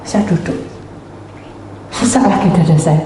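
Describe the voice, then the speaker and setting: Woman pastor in a booming echoey hall. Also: lively intonation, a little slow, background noise. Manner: dramatic storytelling, drops to near whispers then rises. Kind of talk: sermon with personal testimony. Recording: echoey hall with long reverb.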